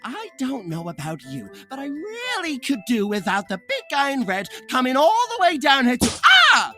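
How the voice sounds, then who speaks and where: A man voicing a small, irritable Christmas elf worker, exasperated and animated, in a cartoon style. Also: very high voice, normal speed, soft background music, full character voice. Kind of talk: cartoon character demo.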